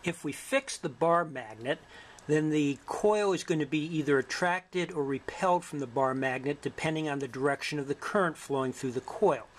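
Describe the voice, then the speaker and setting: A middle-aged man narrating an instructional demonstration as a lecturer, in a measured, explanatory way. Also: fairly high pitch. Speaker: physics lecturer. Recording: faint background noise.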